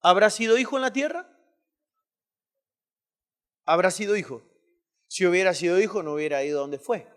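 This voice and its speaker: A man preaching a sermon, calling on the congregation to repeat his words and reading scripture quickly. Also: sits high, lively intonation, a bit bright. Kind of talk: call-and-response sermon.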